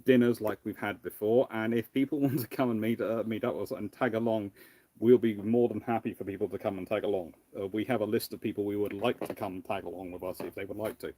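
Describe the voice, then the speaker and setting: A man hosting a casual live question-and-answer stream, thinking aloud in a halting, rambling way. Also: on the low side, steady tone, dark tone, no echo. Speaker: livestream host, naval historian. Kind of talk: casual live Q&A with off-the-cuff commentary.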